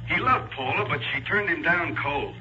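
A man's voice: fairly high pitch, animated, normal speed, crowd noise, lightly acted. An American man playing a plain-spoken police sergeant in a 1940s radio crime drama, matter-of-fact and colloquial. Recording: muffled, noisy 1940s radio recording.

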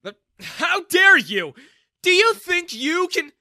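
A storyteller voicing a scornful middle-aged father who sneers and shouts, in a high, loud put-on voice. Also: big pitch swings, normal speed, no echo, studio quality, exaggerated voice. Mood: furious.

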